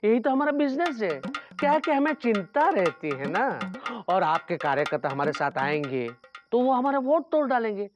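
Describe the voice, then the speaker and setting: An actor playing a scheming village wheeler-dealer who bargains hard, sly and full of wordplay, in a TV comedy with music behind. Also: male voice, sits high, sing-song, normal speed. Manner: sly, haggling, wordplay-heavy. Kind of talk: TV comedy acting. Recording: music bed behind dialogue.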